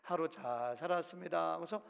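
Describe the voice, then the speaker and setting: With vocal fry and a voice on the high side, a pastor from Chungcheong, Korea, moves through his sermon at a moderate pace. He uses a Chungcheong Korean accent and dramatizes quotes in different voices, while the sanctuary adds long hall reverb.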